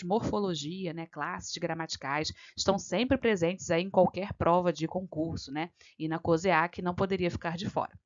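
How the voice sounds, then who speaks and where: Woman, exam-prep tutor, patient step-by-step delivery, mid pitch, slightly muffled home recording. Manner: frequent "tá?" and "né?" checks, patient step-by-step explaining. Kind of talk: explaining a grammar exam question.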